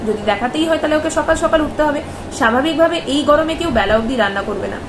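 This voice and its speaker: A woman's voice: high-pitched, animated, fast. A young woman, talking to camera in a commentary vlog and firing off indignant rhetorical questions. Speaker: vlogger. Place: bedroom, indoors. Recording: echoey room with background noise.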